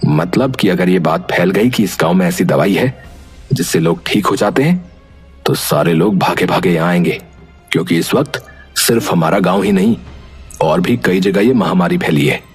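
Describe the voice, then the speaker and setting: A man playing a sly young village man who talks rapidly and persuasively in a story. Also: deep voice, animated, slightly rough, soft background music, voice pushed down, full character voice. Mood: scheming.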